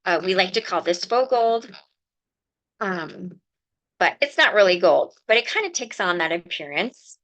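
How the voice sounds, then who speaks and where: A woman's voice: lowish voice, animated, a little slow, fairly bright tone. A woman hosting a live card-making stream in a chatty, explaining way, chatting with viewers by name and a little sniffly from a cold. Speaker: crafting livestream host. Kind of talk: casual live craft demonstration.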